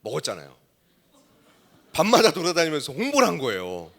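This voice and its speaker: Animated male preacher telling a story. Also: fairly high pitch, fairly quick, vocal fry. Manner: storytelling with wide swings between hushed asides and loud exclaims. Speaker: pastor. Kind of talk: sermon.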